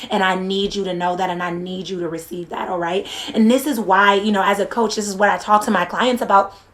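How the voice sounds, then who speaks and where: An animated woman's voice at a fairly quick pace, over noticeable background noise. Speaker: life coach. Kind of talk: motivational livestream talk. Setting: live stream. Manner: fast.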